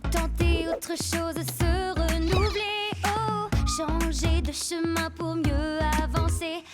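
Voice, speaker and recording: An encouraging, carefree cartoon character in song. The voice is very high, with drawn-out upbeat pop phrasing over prominent music. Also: female voice, steady tone.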